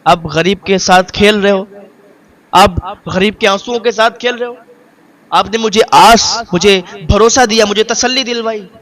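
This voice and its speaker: A man's voice: high voice, fairly bright tone. A man voicing a poor, heartbroken father who pleads tearfully and repeats himself in long lists. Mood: pleading.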